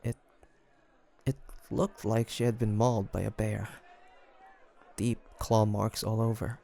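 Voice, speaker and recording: Man acting a halting, gravelly young demon hunter. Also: lowish voice, level tone, warm tone. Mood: haunted, grave. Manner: hesitant, halting, stammering. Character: young male demon hunter, flustered, haunted by childhood loss. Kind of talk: scripted audio roleplay monologue.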